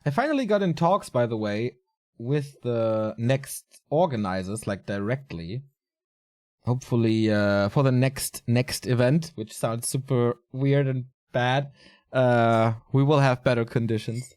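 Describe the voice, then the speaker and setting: A man commentating a strategy game alone, casual and chatty, his voice a little raspy and tired. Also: medium pitch, a little slow, darkish tone. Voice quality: casual, chatty delivery with fillers. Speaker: esports caster.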